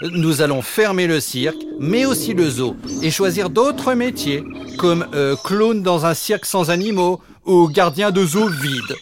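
Man voicing an earnest storybook clown, high and lively. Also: measured pace, noisy background. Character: repentant circus clown, middle-aged man.

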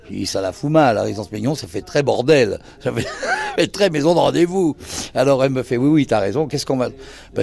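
An older man with a gravelly, creaky voice, recounting stories in a lively way and hesitating often. His tone sits at an ordinary middle pitch. He speaks indoors in a small bar lounge. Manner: animated, acts out quoted dialogue, many hesitations. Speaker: bar owner. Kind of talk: casual anecdotal storytelling.

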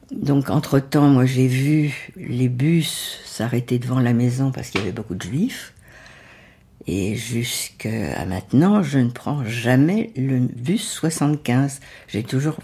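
An older woman whose first language is Yiddish, recalling her past in a halting, reflective interview. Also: extremely low pitch, warm tone, breathy edge. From France. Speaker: witness. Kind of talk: interview testimony.

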